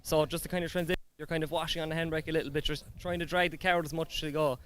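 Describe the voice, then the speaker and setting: A man's voice: a little high, level tone, rapid-fire, a bit bright, a little hiss or hum. A man, a drift driver, explaining his car in a matter-of-fact, technical way. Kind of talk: quick pit interview.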